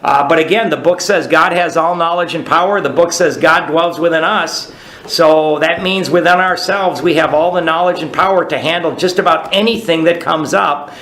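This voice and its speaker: A man's voice: fairly high pitch, steady tone, normal speed, a bit bright, reverberant, poor audio. A man talking casually about his recovery, rambling with many restarts and asking "right?" to check in with his listeners. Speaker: recovery speaker. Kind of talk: recovery talk.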